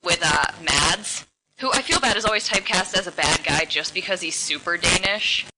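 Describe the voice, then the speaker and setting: Chatty woman with a lower voice. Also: noisy background. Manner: chatty, rambling, quick bursts of speech. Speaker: podcast co-host. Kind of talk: casual chat.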